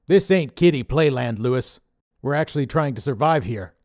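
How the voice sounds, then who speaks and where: A man's voice: mid-range voice, expressive, moderate pace, darkish tone, no echo, clean studio sound, voice pushed up, natural voice. Man putting on a blustering bossy camp leader. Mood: lecturing. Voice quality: blustering, scolding. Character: gruff bossy middle-aged male camp leader, preachy.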